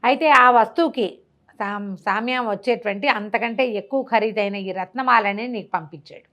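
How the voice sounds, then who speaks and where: A woman with a somewhat high, slightly bright voice retells a classical tale at normal speed, and the audio is dull. Speaking conversationally as a storyteller, she acts out the dialogue and throws in rhetorical questions.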